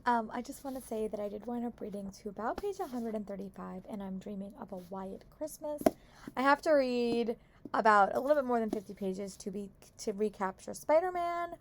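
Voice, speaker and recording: A young woman chatting casually in a book vlog, hoarse from a long day of talking at work, upbeat with lots of "like" and restarts. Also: on the high side, lively intonation, brisk, a little hiss or hum. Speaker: book vlogger. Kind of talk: casual vlog check-ins.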